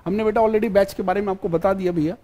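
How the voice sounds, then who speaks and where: High-pitched guy teaching an online exam class, talks to students like a dad, keeps asking if it's clear. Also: fairly even intonation, fast talker, mellow. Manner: fatherly, keeps calling students "beta" and checking if they follow.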